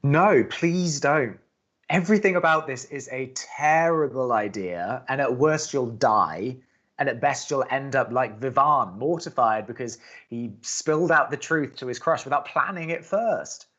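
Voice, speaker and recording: A man's voice: medium pitch, expressive, measured pace, fairly bright tone. A young college radio advice host in an audio drama. He is earnest and easily exasperated, with emphatic, very varied intonation. The audio is a little muffled. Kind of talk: bantering audio drama dialogue.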